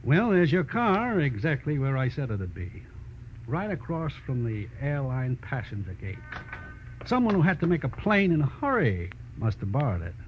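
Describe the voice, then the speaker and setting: A man's voice: mid-range voice, big pitch swings, normal speed, close to an everyday voice. An American actor playing a middle-aged, paternal and slyly good-humored lawman in a 1940s radio detective drama, folksy and wry. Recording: muffled, noisy old radio recording.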